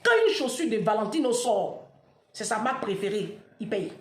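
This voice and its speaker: A woman with a high, sweeping voice retells a painful story to her followers, acting out the dialogue. Her tone leaps and dips with feeling. The recording has a noticeable roomy echo. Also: animated, normal speed. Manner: dramatic retelling, acts out dialogue. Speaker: vlogger.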